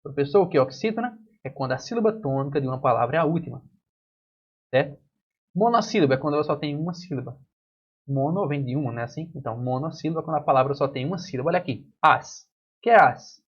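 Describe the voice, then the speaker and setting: A Brazilian man teaches grammar online, walking through each rule step by step and answering his own questions. His voice sits a little high and sounds husky. The recording is muffled and lo-fi. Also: fast talker. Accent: Brazilian Portuguese.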